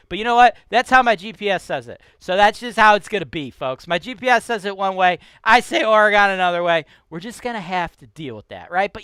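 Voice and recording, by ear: A man's raised, projected voice with a Cleveland accent, high in pitch and bright, sharp in tone, moving at a fairly quick pace with big swings in loudness, dry and close with no echo on a very clean recording with a silent background. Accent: Cleveland, Ohio.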